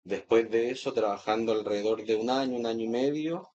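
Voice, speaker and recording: A man's voice: medium pitch, fairly quick, a little mellow, muffled recording, slight background noise. A Chilean man in his thirties talking casually as a guest sommelier in an interview. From Chile, grew up in Santiago. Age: 30s.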